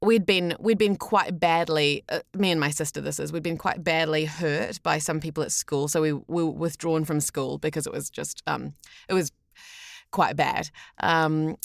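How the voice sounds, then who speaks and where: A New Zealand woman in her thirties talks casually and reflectively in an interview. Her voice sits a little low, and the sound is dry with hardly any room in it. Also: steady tone, normal speed, vocal fry, no room sound. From rural New Zealand. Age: 30s. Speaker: podcast guest, voice actor. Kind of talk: casual personal storytelling in an interview.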